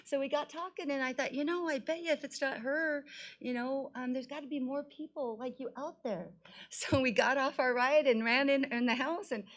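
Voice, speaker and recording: A woman's voice: high-pitched, steady tone, normal speed. A woman giving informal, gushing public remarks at a meeting, laughing often as she speaks. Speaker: resident presenting a community project. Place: council meeting room.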